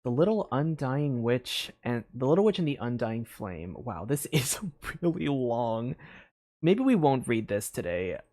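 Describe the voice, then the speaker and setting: A young man streaming a story game, thinking out loud in a loose, rambling way with lots of filler words and restarts. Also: medium pitch, sing-song, measured pace. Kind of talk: casual live-stream commentary.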